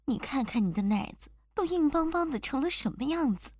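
A woman's voice: high-pitched, animated, no room sound, clean studio sound. A woman voicing a cruel, mocking young woman rival in an amateur audio role-play. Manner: mocking, drawn-out sneers.

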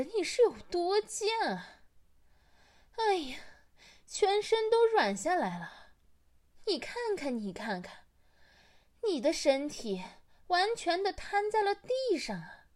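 A woman's voice: very high voice, heavily acted. A woman voicing a foul-mouthed young woman in a catfight, taunting and cursing in an amateur audio role-play.

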